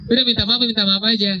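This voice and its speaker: Higher-voiced religious speaker, lo-fi. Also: male voice, bright, forceful tone. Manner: conversational, drawn-out emphasis, frequent "ya". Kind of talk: casual religious talk to an audience. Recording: dull lo-fi sound with faint noise.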